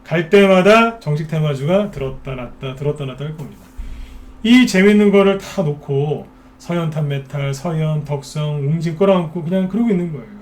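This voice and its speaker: A man's voice: on the high side, a little fast. A man hosting a stock market broadcast, talking casually and firing off rhetorical questions, often mimicking worried investors. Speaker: stock market expert host.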